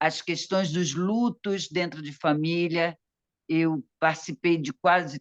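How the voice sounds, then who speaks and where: Against a quiet background, a woman speaks at a very slow pace with fairly low pitch and fairly even intonation. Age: 60s. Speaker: astrology student. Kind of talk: testimony.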